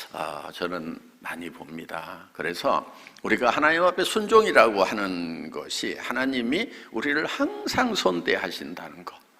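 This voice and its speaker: Over noticeable background noise, a man talks at a fairly slow pace with big swings in loudness. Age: 60s. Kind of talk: testimony. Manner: hesitant, many filler sounds.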